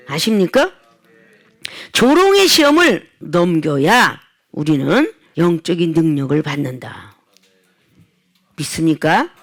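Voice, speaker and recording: A middle-aged woman pastor preaching a sermon, swinging between loud and quiet and acting out quoted dialogue. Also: fairly low pitch. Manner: acts out quoted dialogue in the talk.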